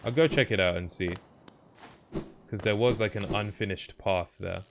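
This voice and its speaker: A man's voice: lowish voice, moderate pace, vocal fry, noisy background. A man streaming a game with casual commentary, thinking aloud in mild slangy exclamations. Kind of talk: casual let's play commentary.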